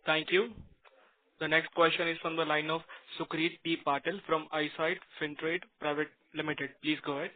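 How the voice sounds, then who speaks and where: A man works as moderator of a conference call, reading formal, scripted announcements. His voice is fairly high and monotone. The line sounds thin, like a telephone. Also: normal speed, no echo. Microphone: phone conference line. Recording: tinny narrow phone line.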